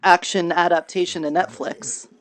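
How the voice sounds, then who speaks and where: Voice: medium pitch, steady tone, moderate pace, fairly bright tone. A roleplayer chatting casually in a joking, rambling way during an online social game session. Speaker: VRChat roleplayer. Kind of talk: casual chat.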